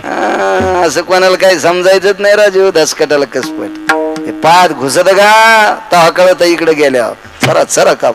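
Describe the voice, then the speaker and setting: A man's voice: high-pitched, a little slow, vocal fry, soft background music, low-quality recording. A man telling humorous stories in a kirtan sermon, acting out the voices of the people in them. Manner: animated, acts out voices in anecdotes. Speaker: kirtan preacher. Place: devotional gathering, live audience.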